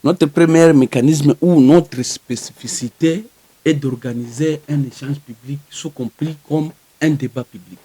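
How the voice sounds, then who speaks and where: A man's voice: a little high, unhurried, mellow, breathy edge, no room sound. Dry-sounding Congolese man speaking formally. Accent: Congolese French. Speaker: spokesperson for a community organisation. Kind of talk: formal press conference statement.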